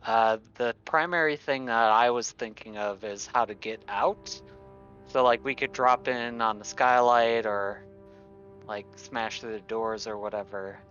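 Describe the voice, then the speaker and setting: A man playing a tabletop game, casually thinking through a plan out loud. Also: medium pitch, fairly even intonation, a little slow, clean tone. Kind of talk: casual planning chat. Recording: dull lo-fi audio, faint music behind.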